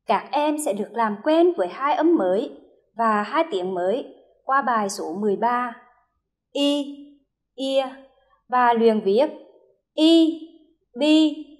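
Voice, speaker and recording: A woman's voice: fairly high pitch, animated. A woman primary school teacher with a Hue accent, leading a first-grade reading lesson and carefully modeling each sound for children to repeat. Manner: slow, careful modeling of sounds, drawn-out repetitions for children to echo.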